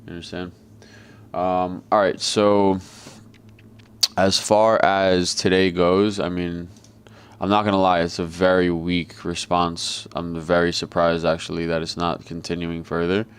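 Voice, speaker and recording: A man giving live trading commentary in a flat, monotone way, talking casually and bluntly with plenty of swearing over a video call. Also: low-pitched, a little slow, clear, resonant tone. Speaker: trader and market commentator.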